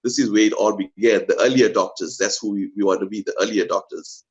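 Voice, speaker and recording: A man's voice: on the low side, steady tone, quick pace, highs cut off. A man speaking earnestly as a guest on a video call, hesitating with many fillers. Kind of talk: casual pitch talk.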